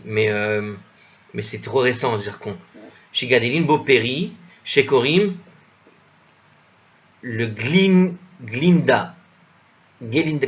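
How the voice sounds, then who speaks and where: A man leads a casual commented reading, thinking aloud as he goes. He hesitates, corrects himself and slowly sounds out unfamiliar words at a middle pitch. The recording is dull and lo-fi. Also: a bit bright. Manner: spells out Hebrew and Old French words slowly. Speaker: Talmud study teacher.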